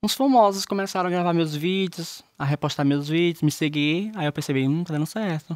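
A man with a high pitch, a moderate pace, hardly any pauses and ordinary pitch variation, in a dry sound with no echo. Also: quiet background. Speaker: content creator and character actor. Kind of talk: casual interview. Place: studio.

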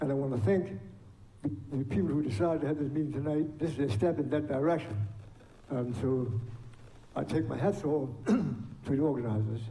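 A man with a fairly high pitch, ordinary pitch variation and a dark, mellow, somewhat breathy tone talks at a fairly quick pace with long, frequent pauses, and audible room echo surrounds him. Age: 80s+. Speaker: retired police officer speaking at a town hall. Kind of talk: public comment at a town hall meeting. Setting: town hall meeting with audience. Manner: halting, with repetitions.

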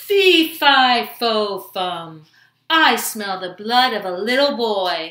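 A put-on character voice shouting at a very slow pace in a menacing tone. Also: woman, fairly high pitch for a woman.

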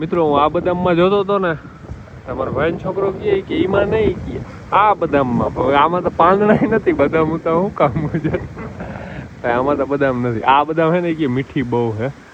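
A man with a fairly high pitch speaks with lively intonation over noticeable background noise. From Gujarat, Saurashtra (Jamnagar area). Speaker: vlogger. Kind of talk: casual vlog narration. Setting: in a car.

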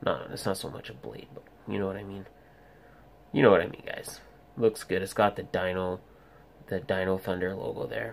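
A man at a moderate pace with fairly even intonation. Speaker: toy reviewer. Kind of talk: casual review commentary. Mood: mildly critical, relaxed. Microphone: phone near.

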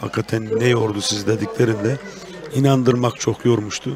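Over noticeable background noise, a man speaks with a dry sound and no echo. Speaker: interviewee. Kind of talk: interview answer. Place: street. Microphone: headset.

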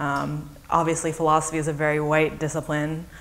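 A woman speaks in a very deep, low pitch. She talks at a fairly quick pace. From Canadian Prairies. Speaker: Cree scholar and activist; panelist. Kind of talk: panel discussion. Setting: stage with audience. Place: hall.

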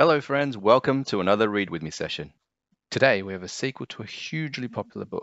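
The background stays quiet. The speaker reads in a natural reading voice.

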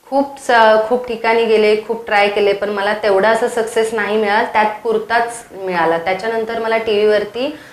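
A woman with a fairly high pitch speaks in a flat monotone at very even loudness, with audible room echo. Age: 20s. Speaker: patient. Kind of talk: testimonial.

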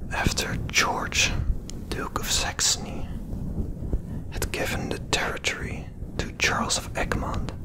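A soft-spoken man whispering at a fairly slow pace over loud background noise. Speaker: storyteller. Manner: close soft whisper into microphone. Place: home room. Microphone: handheld.

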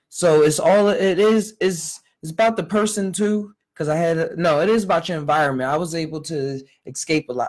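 A man speaks with an American accent at a moderate pace. The background is quiet. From Philadelphia, US. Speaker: podcast host. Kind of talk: casual solo talk show. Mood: relaxed, reflective. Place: home room. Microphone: studio mic.

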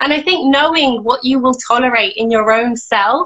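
A loud voice with a southern English accent, at a moderate pace over a quiet background. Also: woman. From southern England. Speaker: beauty pageant contestant; interviewee. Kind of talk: interview. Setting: video call. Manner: animated. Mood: thoughtful, calm. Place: home room. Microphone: video call.

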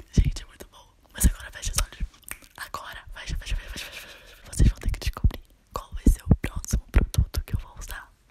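A woman is whispering at a fairly quick pace. Her loudness swings widely. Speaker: beauty vlogger. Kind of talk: casual talk to camera, ASMR-style makeup video. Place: home room. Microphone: studio mic.

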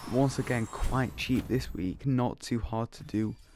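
A quiet voice with a dark, mellow tone. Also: man. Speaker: gaming youtuber. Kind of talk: gameplay commentary.

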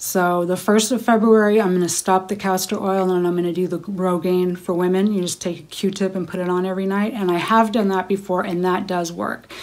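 The intonation here is monotone and flat. She, a woman, delivers her words fairly quickly. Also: medium pitch for a woman, hardly any pauses. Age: 40s. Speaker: beauty vlogger. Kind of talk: casual chat. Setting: home bathroom.

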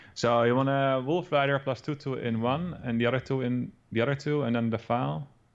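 Fairly quick delivery with a Dutch accent and ordinary pitch variation. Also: man. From Netherlands. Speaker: gaming co-player; game streamer. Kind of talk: casual gaming commentary. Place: home room.

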